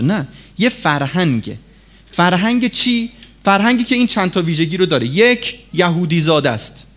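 A man delivers a religious sermon with emphatic, punchy phrasing. He fires off rhetorical questions and speeds up or slows down to stress his points. His voice sits somewhat high for a man. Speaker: preacher.

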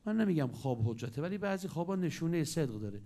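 A man preaching a sermon, telling stories with sudden swings between loud and hushed delivery. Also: on the high side, very animated.

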